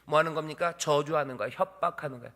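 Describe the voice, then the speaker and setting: A male pastor preaching an animated sermon, firing rhetorical questions at the congregation. His voice sits high and rings bright. The sound carries the long reverb of a church hall. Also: quick pace.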